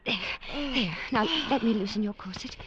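A woman's voice: mid-range voice, moderate pace, noisy background, natural voice. An actress playing an earnest young English woman who narrates her story and speaks breathlessly, in 1940s radio acting. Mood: frantic. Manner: breathless, wide-eyed. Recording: muffled old radio broadcast with music.

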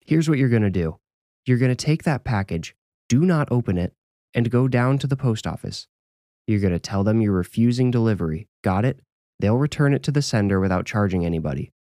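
A man's voice: lowish voice, lively intonation, brisk, dark tone, no echo, clean studio sound, voice pushed up, close to an everyday voice. A man voicing a busy, rational grown son in audiobook dialogue, firm and exasperated. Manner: firm, dismissive, questioning.

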